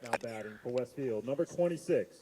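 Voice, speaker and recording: A man announcing players over a PA loudspeaker, with formal and measured introductions. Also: mid-range voice, lively intonation, background noise. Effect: heard over a PA loudspeaker. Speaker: stadium announcer.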